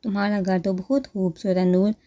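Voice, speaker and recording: A woman's voice: medium pitch, warm tone, close to an everyday voice. A woman voicing a playful, teasing young sister-in-law in a storybook reading.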